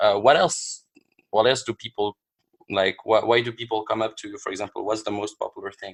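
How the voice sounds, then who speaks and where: Speaking at a fairly quick pace in a French accent, a man makes big swings in loudness in a dry, close sound with no echo. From France. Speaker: podcast host, dating coach. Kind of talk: interview conversation.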